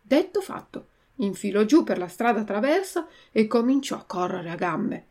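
A woman teacher reading a story aloud slowly, giving different voices to the characters, then going through a word glossary. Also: mid-range voice, sing-song, darkish tone.

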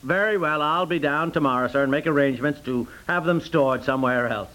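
A man's voice: fairly high pitch, a little fast, a bit bright, lightly acted. A man playing an absent-minded, defensive but easygoing husband and new father in a 1950s radio comedy, hesitant and placating. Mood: relieved. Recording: noisy, clicky 1950s radio recording.

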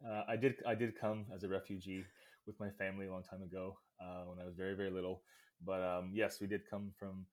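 A man's voice: low-pitched, little pitch movement, fast. A man from Vietnam speaking as a podcast guest, hesitant and reflective, with many uhs and ums. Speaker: interview guest, real estate investor. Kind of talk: casual interview chat.

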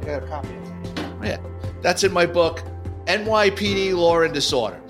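A man, a former police detective, telling war stories in a casual, profane, animated way. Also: high-pitched, fairly quick, faint music behind. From New York. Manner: profane, animated, acts out quotes. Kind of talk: casual storytelling.

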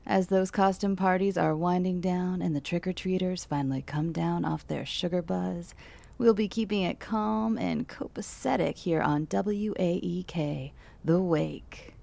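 A woman playing a calm, wry late-night local radio DJ with easygoing, intimate patter in an audio drama. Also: fairly low pitch, measured pace, creaky.

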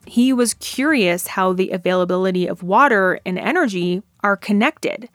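A woman reporter narrating a radio news feature in a clear, steady way. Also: mid-range voice, normal speed, no room sound, faint music behind.

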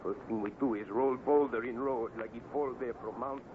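A man acting as a cautious cowboy-serial scout with a mid-pitched voice. He talks in measured, stilted broken English, terse and steady. The old radio recording is narrow and clearly noisy. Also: natural voice. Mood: steady, scheming. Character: steady, cautious Native scout sidekick to boy hero.

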